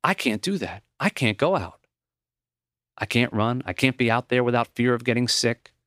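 A man reading the lines of a gentle, reflective old dying professor in a memoir audiobook, earnest and plain-spoken. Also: mid-range voice, animated, normal speed, dry recording, studio quality, lightly acted. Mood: wistful.

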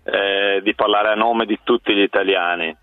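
Furious shouting male radio caller. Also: lowish voice, fairly even intonation, normal speed, dry recording, phone-quality sound. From Italy. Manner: angry and shouting, repeatedly insulted. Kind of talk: phone-in talk radio.

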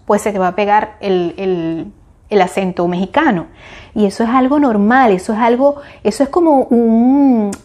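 A woman's voice: mid-range voice, darkish tone. A middle-aged woman from Venezuela with a Venezuelan accent, talking casually in a reflective monologue, often restarting and searching for words. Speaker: vlogger.

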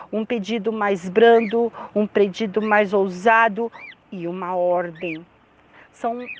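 A woman's voice: fairly high pitch, a little hiss or hum. Emphatic woman teaching Scripture. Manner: emphatic, dramatic shifts of tone. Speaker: Bible teacher. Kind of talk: teaching and prayer.

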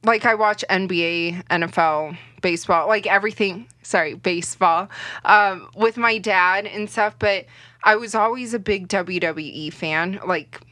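A young woman whose first language is Cantonese, talking as an interview guest. Her voice is bright and forward, and the sound is close and dry. She rambles and leans on fillers as she goes. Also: mid-range voice, measured pace, dry recording. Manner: chatty, rambling, heavy on fillers like "you know". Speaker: sports reporter, guest. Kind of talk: casual interview chat.

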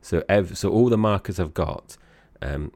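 A man's voice: sits low, unhurried, a little mellow, no echo. A man with an Essex accent co-hosting a podcast in casual, chatty talk, often correcting himself as he goes. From Essex, England. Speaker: podcast co-host. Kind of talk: casual conversational podcast chat.

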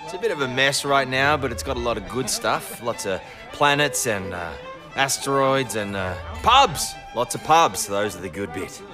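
A man's voice: medium pitch, animated, normal speed, lightly acted. An actor playing a boisterous, matey bookmaker in a science fiction audio drama, with a colloquial showman's manner. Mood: matey, reassuring. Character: boisterous, matey male bookmaker in spaceship bar. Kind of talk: dramatic acting. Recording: loud music and crowd behind. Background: loud music and crowd.

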